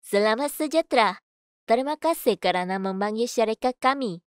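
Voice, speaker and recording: A woman's voice: fairly high pitch, animated, brisk, smooth, no room sound. Woman reading scripted voice-over, dry sound. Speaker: voice-over artist. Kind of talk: scripted voice-over demo: adverts, narration, announcements.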